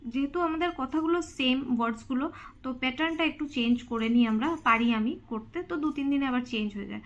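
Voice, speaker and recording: A woman's voice: high-pitched, fast. A young woman from Silchar in India, speaking Bengali with a Sylheti tone, chatting casually to her viewers and often checking in with them. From Silchar, Assam, India. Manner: chatty, keeps asking "okay?". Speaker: vlogger. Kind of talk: casual chat to camera.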